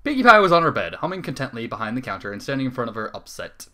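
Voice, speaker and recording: A man's voice: mid-range voice, sing-song, very fast, sharp tone. A man reading a comic fan story aloud as a dramatic narrator. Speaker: story reader.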